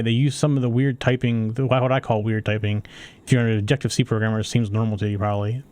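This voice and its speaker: A man's voice: medium pitch, darkish tone. A man co-hosting a casual tech chat, talking in a chatty way with rambling restarts. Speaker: co-host.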